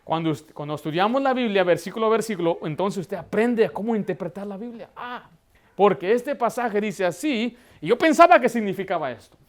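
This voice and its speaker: A man's voice: high-pitched, lively intonation, fairly quick. A man preaching a Baptist sermon as pastor, telling stories and raising his voice to stress a point. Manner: preaching with anecdotes, voice rising for emphasis.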